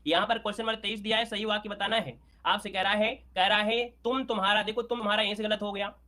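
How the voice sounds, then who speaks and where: High bright-voiced male Hindi tutor. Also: fairly even intonation, fast. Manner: talks through answers, repeats words, asks if clear. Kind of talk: exam prep lesson.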